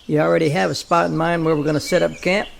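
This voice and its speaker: A man's voice: on the high side, level tone, fast talker, creaky, slight background noise. An actor playing an eager young man on a hunting trip in an audio drama. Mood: eager, curious. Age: young adult.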